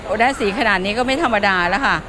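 A woman's voice: medium pitch, fast. A woman hosting a casual walk-around market vlog, chatting with vendors, exclaiming often and repeating their answers for viewers. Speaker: host of a plant market walk-around video. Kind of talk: casual on-location vlog commentary and vendor chat. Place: outdoor plant market. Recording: busy outdoor market crowd and street noise.

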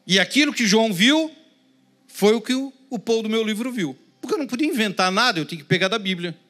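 A man with a Brazilian Portuguese accent preaching a sermon, swinging between loud emphasis and hushed, prayerful tones. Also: high-pitched, expressive, fast. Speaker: pastor.

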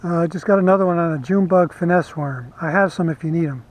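A man's voice: on the high side, quick pace, slight background noise, poor audio. Chatty man fishing from a kayak. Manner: relaxed, chatty, talks to camera while fishing. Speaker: fishing vlogger. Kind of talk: casual fishing commentary. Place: kayak on a lake outdoors. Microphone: head-mounted action camera.

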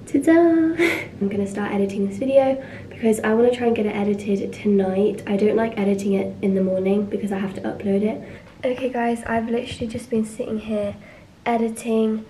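A woman's voice: medium pitch, fairly even intonation, a little fast, mellow, slight background noise. A young woman, chatting and giggling in a casual home vlog. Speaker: vlogger.

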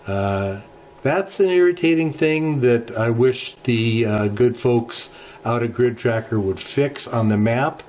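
A middle-aged man hosting a ham radio channel, walking through software settings in an unhurried tutorial with many filler pauses, recorded at a desk in his home radio room. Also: mid-range voice. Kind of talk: screen-share software tutorial. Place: home radio shack, indoors.

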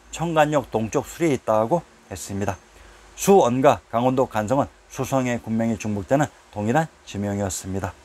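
A man reading scripted history narration in a steady voice, listing place names one after another. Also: medium pitch. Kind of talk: scripted narration read from a text.

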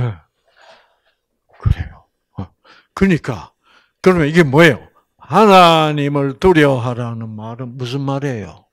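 A man's voice: mid-range voice, no room sound, studio quality. An older man giving a Bible lecture in storytelling style, acting out voices and asking his audience questions.

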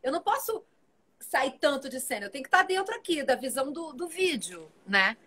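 Lively chatty actress on a video call. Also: female voice, sits high, brisk. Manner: animated, talkative, gestures while speaking. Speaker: actress, guest. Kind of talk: casual live video chat. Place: home room with plants and shelves.

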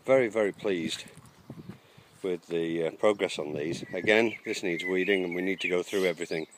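With a deep voice at normal speed, the vlogger ambles around his allotment, hesitating and filling gaps with ums. The handheld outdoor recording has a noisy background.

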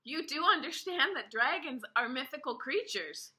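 Wry young guardian, teasing and prone to laughter, high bright voice, put on by a woman reading a storybook. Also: lively intonation, moderate pace. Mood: amused.

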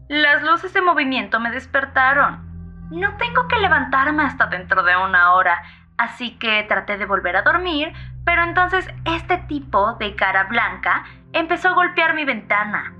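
An actress playing a feisty, fearless, irritated 911 caller in a horror audio story, brash and mocking, heard through a phone filter. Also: female voice, high voice, sing-song, measured pace, sharp tone, faint music behind, exaggerated voice. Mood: annoyed, unbothered. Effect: phone-line filter. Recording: thin band-limited phone sound.

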